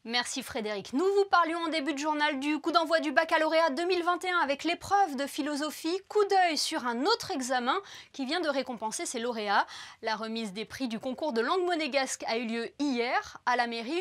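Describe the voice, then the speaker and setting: A woman with a high, bright-toned voice anchors a television news bulletin. She reads her links smoothly and briskly, handing over between stories.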